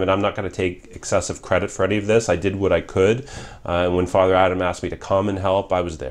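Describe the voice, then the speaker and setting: Very deep and low, a man's voice moves at a very fast pace with a Canadian accent. His intonation is monotone and flat. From Canada, Mississauga, Ontario. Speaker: politician. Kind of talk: interview. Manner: halting.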